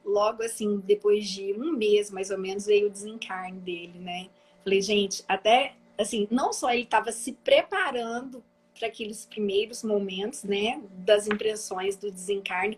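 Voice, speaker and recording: A woman from Brazil with a Minas Gerais accent, a guest on a live stream, telling stories in an animated way and often laughing. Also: medium pitch, normal speed, slightly rough, poor audio. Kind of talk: storytelling in a live chat.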